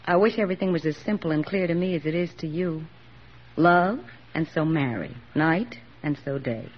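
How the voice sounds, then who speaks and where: A woman's voice: deep voice, moderate pace. A woman playing an earnest young army nurse in a 1940s radio drama, speaking with heartfelt sincerity. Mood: tender. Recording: dull old radio broadcast recording.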